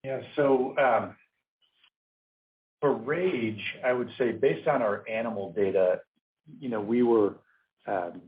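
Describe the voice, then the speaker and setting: A man's voice: mid-range voice, slow, long pauses. A man giving a technical answer as a company scientist on an earnings call, hesitant and careful, over a narrow phone line.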